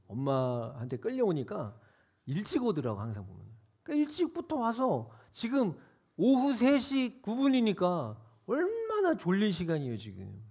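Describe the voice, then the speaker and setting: A man's voice: sits high, a little mellow. A man preaching to teenagers as youth pastor in a casual, conversational way, quizzing his listeners and prompting them to repeat after him. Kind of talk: interactive youth sermon. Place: church sanctuary.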